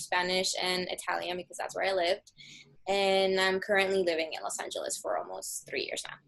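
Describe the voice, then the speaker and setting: Her voice is medium-pitched and a bit bright: a young Mexican woman giving a coaching client's testimonial about her job search. The talk is a casual, chatty set of interview answers, full of "like" and "um" fillers.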